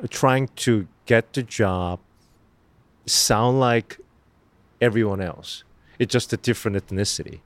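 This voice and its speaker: A middle-aged man with a Korean accent, an actor answering interview questions in an earnest, halting way with many fillers and restarts. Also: fairly low pitch, no room sound. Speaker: actor guest.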